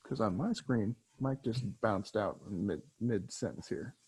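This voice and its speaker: A man co-hosting an online webinar in casual chat, talking in a relaxed, rambling way with many fillers, over a computer mic. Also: lowish voice, unhurried, slightly rough. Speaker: webinar co-host.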